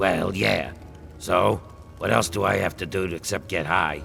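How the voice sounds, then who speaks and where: Over clear background noise, a man uses a raspy, very deep put-on character voice at a moderate pace. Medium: video game. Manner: laid-back, casual.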